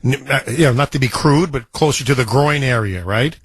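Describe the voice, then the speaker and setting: A male talk radio host, congested with a scratchy throat, telling stories in an animated way with sound effects. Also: medium pitch, brisk, breathy edge, no echo. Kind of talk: talk radio monologue and caller chat. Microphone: studio microphone.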